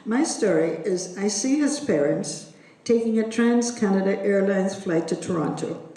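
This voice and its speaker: A woman introducing a speaker at a ceremony with slow, measured storytelling. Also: mid-range voice, animated, warm tone. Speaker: event emcee introducing a speaker. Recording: echoey hall, distant microphone.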